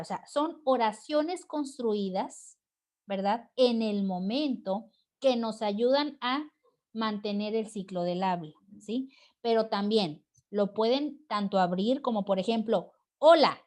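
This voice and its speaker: A Mexican woman with a fairly high, slightly mellow voice gives a recorded online class lecture. She explains things step by step, checking in often with "¿ok?" and "¿sí?".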